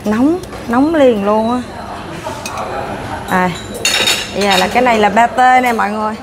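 A woman's voice: fairly high pitch, moderate pace, background noise. A woman in her thirties on a lapel mic, chatting casually as she walks a hotel breakfast buffet and serves herself. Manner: chatty, narrating while serving herself food. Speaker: food vlogger. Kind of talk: casual walkthrough vlog. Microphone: clip-on lapel mic. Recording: clinking dishes and cutlery behind.

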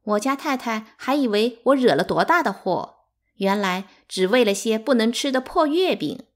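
A woman's voice: fairly high pitch, lively intonation, moderate pace, voice pushed up, lightly acted. A woman reading aloud, voicing a smug, mocking teenage servant girl who taunts the younger children. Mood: taunting. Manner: taunting, scornful.

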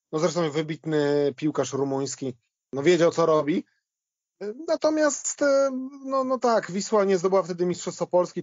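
Higher-pitched man talking football, dull dry sound. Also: a little mellow, dry recording. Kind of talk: conversational football retrospective.

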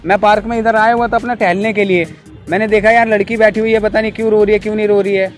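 Young man, high voice, coaxing casual chatter, prank host, park outdoors. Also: level tone, fast talker, soft background music. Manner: coaxing, repeats "yaar" constantly.

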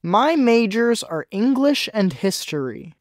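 Man, lively intonation, slow clear lesson reading, dry close mic. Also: high voice, no room sound. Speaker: dialogue reader. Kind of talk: scripted language-lesson dialogue.

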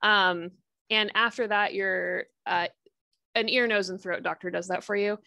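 A woman lecturing on histology in a chatty, informal way, tossing in jokey asides between explanations. Her voice sits at an ordinary middle pitch. The sound is dry and close, with no room around it. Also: fairly even intonation, measured pace, creaky, sharp tone, dry recording. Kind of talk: recorded lecture.

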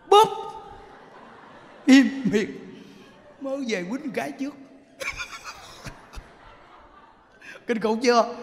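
High-voiced Southern Vietnamese monk preaching. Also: male voice. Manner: lively storytelling, rhetorical questions to the audience, frequent laughter. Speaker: Buddhist monk teacher. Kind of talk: dharma talk sermon. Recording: long hall reverb.

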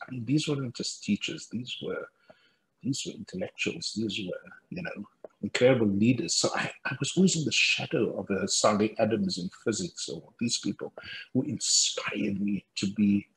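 An older man with a gravelly edge to his voice tells stories from his life in a lively, anecdotal way. He chuckles often as he speaks. He talks through a headset on a video call from his home. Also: on the low side, rough recording. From South Africa. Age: 60s. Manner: animated, anecdotal, laughs often, gestures while talking. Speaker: guest speaker, professor. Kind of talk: storytelling interview on a video call. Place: room at home, indoors.

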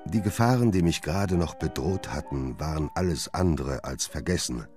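Radio play narrator man acting: haunted doctor, bass register, grave and literary, faint music underneath. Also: animated, moderate pace, darkish tone. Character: haunted gentleman doctor recounting his downfall. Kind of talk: dramatic first-person narration in a radio play.

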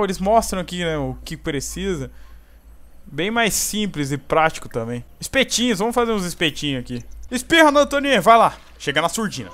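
Um jovem brasileiro narrando uma partida com gírias, bronqueando os personagens com empolgação. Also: male voice, high-pitched. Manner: excitable, scolding the characters, slangy. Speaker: gameplay host. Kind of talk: casual gameplay commentary.

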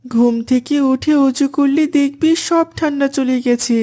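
A woman's voice: high voice, steady tone, a little slow, mellow. A woman voicing a dutiful, devout young boy in a cartoon, polite and earnest.

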